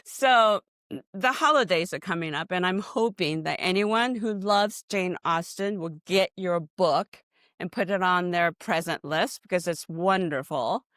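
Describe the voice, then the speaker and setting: A woman's voice: on the low side, a little slow, a bit bright, no room sound, clean studio sound. Effusive woman host, Japanese native speaker. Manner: effusive, giggly. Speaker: podcast host. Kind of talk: friendly interview hosting.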